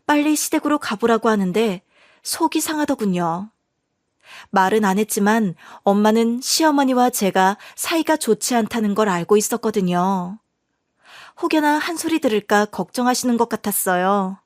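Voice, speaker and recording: A woman narrating a first-person story in a calm, rueful manner, recorded close to the mic. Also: mid-range voice, moderate pace, dry recording.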